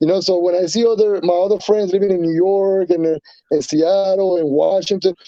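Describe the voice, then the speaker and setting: With a Spanish accent, a man talks at a fairly quick pace in a high pitch, keeping his intonation fairly even. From Colombia (Bogotá), teens in Miami. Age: 30s. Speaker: mixed martial arts fighter. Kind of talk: casual interview chat. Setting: live podcast. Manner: halting, many repetitions and fillers.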